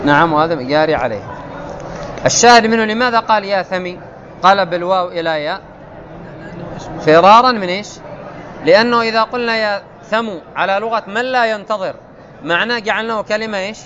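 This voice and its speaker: A man teaching a classical text, reading passages slowly and quizzing his students with questions he then answers. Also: sits high, sharp tone. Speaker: grammar teacher. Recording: muffled, noisy with outdoor traffic.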